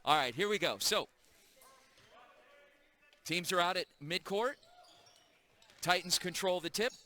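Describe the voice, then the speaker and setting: Man, basketball play-by-play announcer, high voice, crisp and bright, energetic calling. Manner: brisk, energetic call of the action. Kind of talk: live high school basketball commentary. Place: high school gym.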